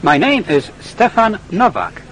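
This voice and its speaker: An earnest foreign student. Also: male voice, high-pitched, big pitch swings, fairly bright tone, slight background noise, full character voice. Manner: careful, formal, slightly halting English. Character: polite young male foreign student. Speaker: interviewee. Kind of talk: scripted learner dialogue.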